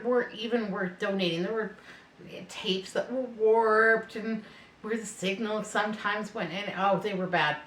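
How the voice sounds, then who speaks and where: A woman's voice: medium pitch, a bit bright. A middle-aged or older woman chatting casually and folksily to viewers as she bakes at home, rambling through anecdotes and repeating herself. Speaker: home baking video host. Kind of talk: casual rambling chat to viewers while cooking. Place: indoors, home kitchen. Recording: echoey room, distant mic, faint noise.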